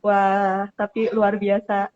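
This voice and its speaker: Woman from papua being interviewed, kinda halting, drops english words in, dull lo-fi sound. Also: mid-range voice, monotone, darkish tone. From Papua, Indonesia. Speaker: interview guest. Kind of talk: casual online interview.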